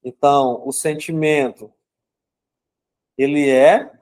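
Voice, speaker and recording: Young man with a slightly high voice, explaining psychology in a relaxed, conversational way. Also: slow pace. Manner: conversational, keeps asking "né?" and "certo?". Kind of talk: casual teaching talk.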